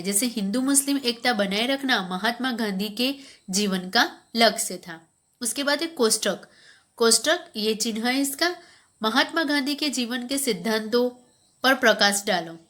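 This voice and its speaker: A woman's voice: a little high, a bit bright. A woman teacher giving a grammar lesson to schoolchildren, reading from the textbook and asking the class questions. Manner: explains, then repeats points as questions to the class; reads textbook passages aloud, then explains them.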